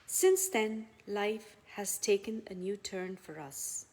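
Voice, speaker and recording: A woman reading a scripted devotional testimonial aloud, phrase by phrase, starting phrases firmly and letting the endings trail off softly. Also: medium pitch, slow.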